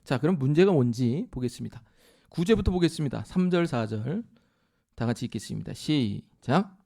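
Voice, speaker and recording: A man preaching a sermon as pastor, explaining scripture and acting out quoted voices with animated delivery. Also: mid-range voice, normal speed, creaky. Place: church sanctuary.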